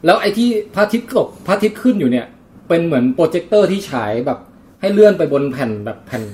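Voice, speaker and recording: A man co-hosting a casual chat, recounting what he watched in a relaxed storytelling way with playful asides. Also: sits high, fast. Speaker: podcast co-host.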